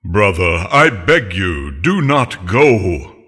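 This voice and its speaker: A wise old centaur near death in a storybook reading. He speaks in a deep, very slow, pained voice that stays steady. The sound carries a long reverb. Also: breathy edge, exaggerated voice. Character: older dying male centaur, calm and wise.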